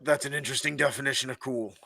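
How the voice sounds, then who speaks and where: A man voicing a curt, gruff male frost orc leader in a deep voice for a tabletop game. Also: steady tone, rapid-fire, pushed and bright, no room sound.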